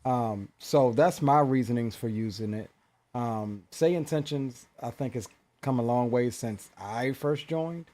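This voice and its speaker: A man who is a guest on a podcast, explaining his views in a measured way with frequent ums. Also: medium pitch, mellow. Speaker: guest flight sim creator. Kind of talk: casual podcast chat.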